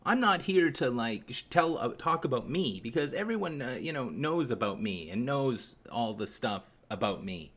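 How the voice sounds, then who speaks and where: A man's voice: medium pitch, big pitch swings, moderate pace, few pauses, a bit bright, breathy edge. A man hosting a live stream, chatting to viewers in a rambling, sarcastic and profane way. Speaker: livestream host.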